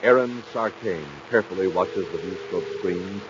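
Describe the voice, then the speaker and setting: A man's voice: deep voice, moderate pace, close to an everyday voice. A man narrating a 1950s radio adventure serial in scripted, dramatic style. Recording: muffled, noisy 1950s radio recording.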